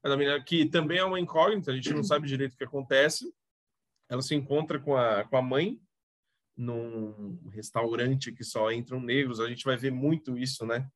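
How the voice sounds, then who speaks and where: A Brazilian-accented man reviews a TV series in casual podcast conversation as a co-host, now and then letting out a cough. His medium pitch stays fairly even, his pace is moderate, and his tone is a bit bright. The audio carries no room sound.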